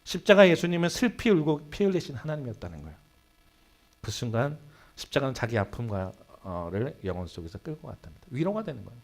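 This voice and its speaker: A man preaching a Sunday sermon in a church, telling a story with sudden swings between loud and hushed delivery. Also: medium pitch, sing-song, quick pace. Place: church sanctuary.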